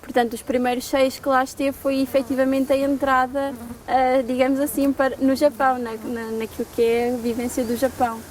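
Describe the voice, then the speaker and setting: A woman hosts an interview in a high voice. She keeps her prompts short and friendly and asks follow-up questions. A faint hiss sits in the background. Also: flat delivery, fairly quick, a little mellow. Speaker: interview host. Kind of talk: hosting an interview.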